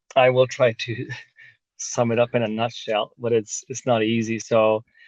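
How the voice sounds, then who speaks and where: The speech is at a moderate pace with monotone, flat intonation, in a dry, close sound with no echo. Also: man, medium pitch for a man. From Hungary. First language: Hungarian. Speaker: motorcycle parts company founder. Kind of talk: casual chat. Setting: podcast interview.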